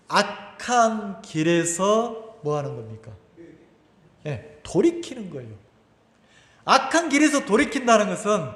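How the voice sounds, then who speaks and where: A pastor preaching a sermon, firing rhetorical questions at his congregation with emphatic delivery. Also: high-pitched. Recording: echoey church hall.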